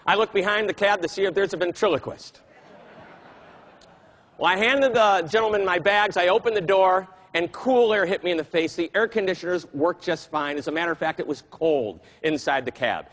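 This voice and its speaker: A man giving a talk to an audience, telling an animated story and acting out the voices he quotes. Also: sits high, normal speed, poor audio. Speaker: keynote speaker.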